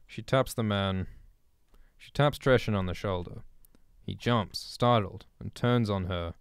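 Low-voiced man musing over a draft. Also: unhurried, clear, resonant tone, no echo. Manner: musing, hesitant, frequent ums and self-corrections. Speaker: writer drafting a story live on stream. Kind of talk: thinking aloud while drafting prose.

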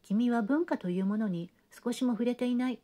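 A woman's voice: a little high, fairly quick, mellow, close to an everyday voice. A woman reading an audiobook, voicing a scornful young man who lectures and mocks. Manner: mocking, lecturing. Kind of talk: audiobook reading of a classic novel.

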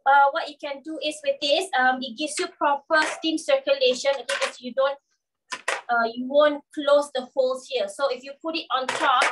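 A woman's voice: high-pitched, fairly even intonation, moderate pace, noisy background. A woman in her thirties with a Malaysian accent gives an informal, instructional cooking demonstration, often checking in with "okay?" and "all right?". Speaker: cooking show presenter demonstrating a kitchen appliance. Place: covered outdoor patio beside a garden. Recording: voice picked up from a distance.

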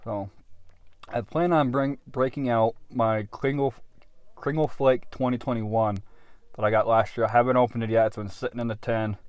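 A man in his thirties giving a casual off-the-cuff product review, halting and unhurried as he thinks aloud, recorded in a car. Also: medium pitch, steady tone, a little mellow, clean tone, no room sound. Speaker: pipe tobacco reviewer. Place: inside a parked car.

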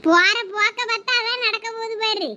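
A woman's voice: extremely high pitch, full character voice. A woman with a Thoothukudi Tamil accent playing a village mother who keeps scolding and nagging her daughter in a comedy skit. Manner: scolding, quick sharp nagging.

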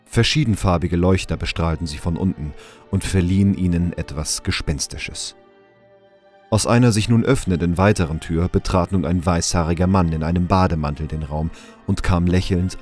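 A male narrator tells a story in a radio play. His voice is low, and he reads scripted prose over faint background music. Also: a little mellow. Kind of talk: scripted audio drama narration.

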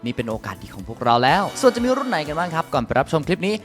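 A man hosting a product rundown, pitching deals like a hype seller and urging viewers to buy. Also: big pitch swings, rapid-fire, music in the background. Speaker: tech reviewer and channel host.

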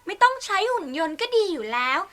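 A woman's voice: extremely high pitch, very animated, quick pace, fairly bright tone, exaggerated voice. A woman voicing a prim, ladylike butterfly in a children's storybook play, fussing and chiding. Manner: fussy, lady-like.

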